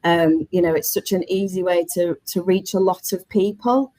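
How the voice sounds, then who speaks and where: A woman's voice: on the low side, steady tone, normal speed, warm tone, low-quality recording. A woman chatting as a panellist in a casual professional discussion, plain-spoken and conversational. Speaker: webinar panellist, workspace operator.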